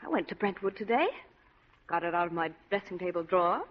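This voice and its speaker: A woman playing a breathy femme fatale. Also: fairly low pitch, fast, natural voice. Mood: coaxing. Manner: breathy, pleading, coaxing. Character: scheming seductive society woman, desperate femme fatale. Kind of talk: 1940s radio acting. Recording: dull old radio recording.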